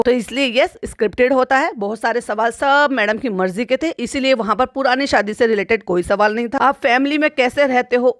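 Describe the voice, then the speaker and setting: A woman's voice: on the high side, no echo, studio quality. A woman hosting a casual commentary monologue, chatty and repetitive, with frequent exclamatory asides. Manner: chatty, repeats phrases, frequent "bhai sahab" asides. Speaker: YouTube commentary host.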